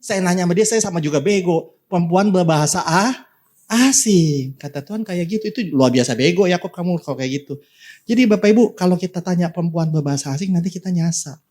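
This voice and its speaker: Husky, higher-voiced man preaching a sermon. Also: quick pace, a little mellow. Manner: casual and slangy, repeatedly addressing the congregation directly. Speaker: pastor. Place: church.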